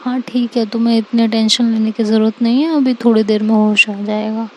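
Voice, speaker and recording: A woman voicing a schoolteacher who calmly and firmly tells a student to settle down. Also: fairly high pitch, a little fast, a little hiss or hum, close to an everyday voice, low-quality recording. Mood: soothing. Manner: firm and reassuring. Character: firm, calming female schoolteacher.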